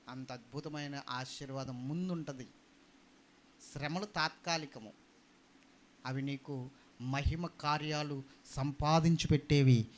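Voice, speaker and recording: A male pastor preaching a sermon in a church, calling out questions to the congregation and swinging between emphatic peaks and quieter stretches. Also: mid-range voice, slight background noise. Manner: preaching with call-and-response to the congregation; rising and falling emphatic delivery. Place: church hall.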